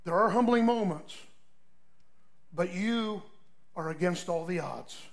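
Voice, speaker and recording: An older pastor preaches with a notably high voice, telling homely stories between points. He rises to loud, emphatic peaks, then drops into quiet, confiding asides. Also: slow, gravelly. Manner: folksy, storytelling, emphatic with sudden loud peaks and soft drops. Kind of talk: sermon.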